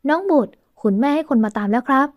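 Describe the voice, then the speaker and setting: A man's voice: extremely high pitch, quick pace, no echo, muffled recording. A woman voicing a polite young groom. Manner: polite, formal. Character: polite young groom, stern when angry.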